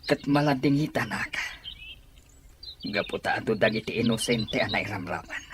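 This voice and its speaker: A man's voice: on the low side, normal speed, noisy background, lightly acted. A man with a Filipino accent acting a commanding, sorrowful tribal elder and father in an audio drama. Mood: weary, sorrowful. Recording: voice under loud background music.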